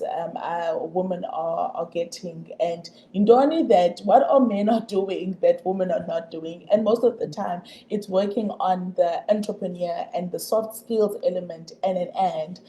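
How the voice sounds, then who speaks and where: A woman with a Xhosa South African accent explaining in a radio interview, haltingly and with repeated words. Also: fairly low pitch, warm tone, rough recording. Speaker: programme representative being interviewed. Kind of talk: radio interview, mixing two languages.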